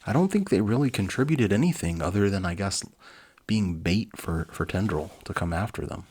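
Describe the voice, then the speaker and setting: Man, low husky voice, storybook narration, casual asides, easygoing. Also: animated, moderate pace, darkish tone. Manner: easygoing, informal. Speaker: storybook reader and presenter. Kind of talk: dramatic reading with casual asides.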